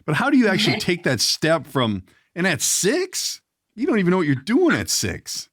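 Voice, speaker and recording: A man's voice: sits high, huge pitch swings, moderate pace, a bit bright, dry recording, studio quality. A middle-aged man hosting a casual comedy podcast, joking and conversational as he interviews. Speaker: podcast host.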